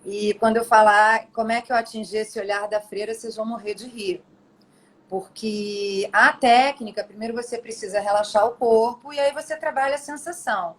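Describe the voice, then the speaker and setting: Animated woman telling stories. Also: fairly high pitch, moderate pace, poor audio. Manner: animated, expressive storyteller. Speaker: actress interviewed as guest. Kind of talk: casual storytelling interview.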